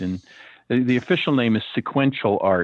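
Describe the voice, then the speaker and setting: Here, a man with an American accent speaks in an ordinary speaking voice at a medium pitch. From US Northwest (Seattle). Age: 60s. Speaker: comic book author. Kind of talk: podcast interview.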